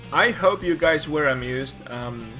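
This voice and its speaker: A man's voice: fairly high pitch, pushed and bright. A man commentating a strategy game in a playful, casual style, laughing often. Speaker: esports commentator.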